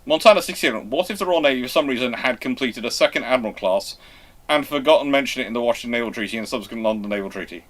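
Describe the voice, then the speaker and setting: A man hosting a live question-and-answer history talk, speaking in a halting, emphatic way as he reworks his phrases. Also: mid-range voice. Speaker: host answering viewer questions.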